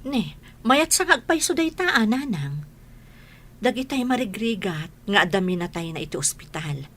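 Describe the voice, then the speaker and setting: A woman's voice: mid-range voice, big pitch swings, normal speed, fairly bright tone. A woman playing a patient, tender mother. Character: patient, loving mother of a blind son.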